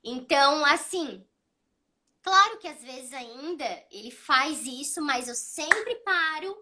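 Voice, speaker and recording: A woman in her thirties, hosting a child psychology talk, explaining calmly and telling stories about her son with acted-out dialogue. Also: sits high, takes it slowly. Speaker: child psychology channel host. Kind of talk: casual advice talk.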